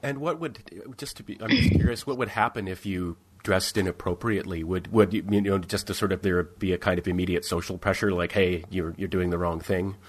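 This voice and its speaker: A man hosting a podcast, introducing his guest and asking curious, halting questions. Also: sits low, a little hiss or hum. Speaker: podcast host. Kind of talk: interview hosting.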